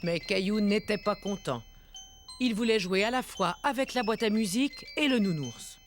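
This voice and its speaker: A woman playing the gentle narrator of a French children's cartoon, telling the story in scripted storybook style. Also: mid-range voice, moderate pace, close to an everyday voice. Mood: gentle storytelling. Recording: music behind the voice.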